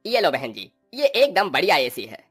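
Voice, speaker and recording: A man voicing a sly, cheating junk dealer in a cartoon, smooth-talking and scheming. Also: fairly high pitch, huge pitch swings, normal speed, a bit bright, soft background music, exaggerated voice. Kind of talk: cartoon voice acting.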